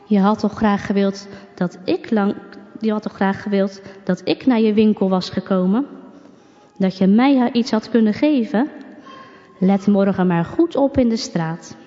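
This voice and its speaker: A woman's voice: mid-range voice, measured pace, lightly acted. A woman voicing a mysterious, kind male voice that calls out solemnly in a storybook. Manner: calling out, solemn and gentle. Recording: dull recording with long reverb.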